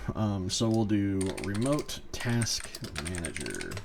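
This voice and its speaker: A man speaks with a fairly low pitch. There is noticeable background noise. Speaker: programming tutorial youtuber. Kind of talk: tutorial. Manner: casual with many fillers.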